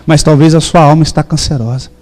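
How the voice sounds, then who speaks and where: Brazilian pastor preaching in a reverberant hall. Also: male voice, fairly high pitch, steady tone, fast, darkish tone. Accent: Brazilian Portuguese. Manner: storytelling with quoted dialogue, emphatic. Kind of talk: sermon.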